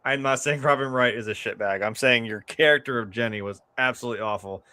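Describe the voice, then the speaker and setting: A man's voice: medium pitch, fast talker, sharp tone, clear, resonant tone, dry recording, clean studio sound. A man co-hosting a film review, bantering casually with sardonic, profane jokes.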